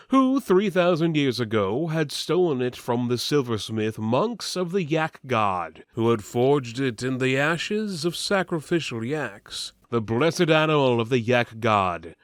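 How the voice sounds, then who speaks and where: A man's voice: mid-range voice, no room sound, studio quality. A man giving a theatrical, mock-solemn dramatic reading of epic fantasy as narrator.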